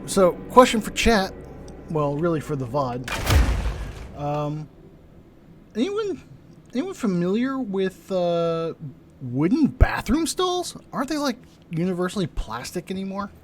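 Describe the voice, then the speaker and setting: A man's voice: high voice, sing-song, measured pace, pauses often, fairly bright tone. A young man streaming a game live, his voice a bit stuffy and sinusy, musing to himself and tossing wry asides to his chat. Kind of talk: casual live-stream commentary. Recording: game music underneath.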